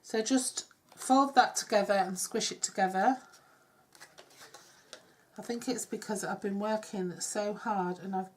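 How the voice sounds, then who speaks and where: A woman's voice: mid-range voice, fairly even intonation, unhurried. Chatty woman with a cold. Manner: rambling, self-deprecating, drops to soft asides. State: congested with a cold. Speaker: craft tutorial host. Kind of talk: chatty step-by-step craft demonstration. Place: home craft table. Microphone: overhead camera on hands, speaker off-screen.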